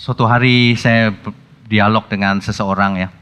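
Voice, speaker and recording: A man preaching in a church hall with a bright, forceful voice. His delivery is casual and chatty, and he jumps into lively bursts. The sound trails off in a long reverb with soft music behind. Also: fairly low pitch, measured pace. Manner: conversational, colloquial preaching with sudden animated outbursts. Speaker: pastor. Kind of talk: sermon.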